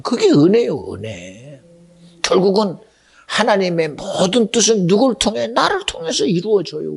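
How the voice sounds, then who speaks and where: A man preaching a Sunday sermon in a church, impassioned, dropping to hushed whispers and rising to loud exclamations. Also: on the high side, vocal fry, breathy edge. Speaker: pastor. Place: church sanctuary.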